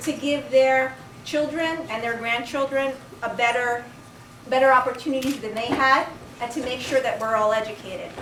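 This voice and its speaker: With a New York accent, a woman speaks at a moderate pace in a high pitch and fairly even intonation. Noticeable background noise and audible room echo fill the recording. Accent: New York City English. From Astoria, Queens, New York. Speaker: state legislator. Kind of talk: speech to students.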